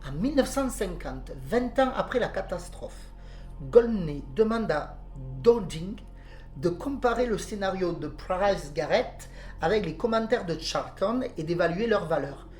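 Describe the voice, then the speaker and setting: A woman's voice: medium pitch, animated, measured pace, a little mellow, faint music behind. A woman with a southern French accent, co-hosting a podcast and reading out a report, hesitating with fillers when she talks freely. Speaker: podcast co-host. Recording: roomy home podcast recording.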